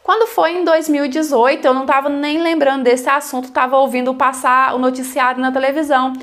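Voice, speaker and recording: Woman, high voice; casual first-person storyteller, chatty with fillers. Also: steady tone, a little fast, a bit bright. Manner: plain conversational retelling with many fillers.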